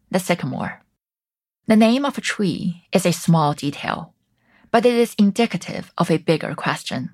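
A woman hosting and narrating a documentary podcast in a calm, reflective scripted style. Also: fairly low pitch. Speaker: host and narrator.

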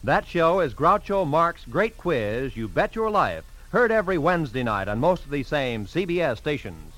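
A man's voice: on the high side, very animated, normal speed, a bit bright. A man announcing a network radio show in a polished 1940s style. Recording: old radio broadcast with music behind.

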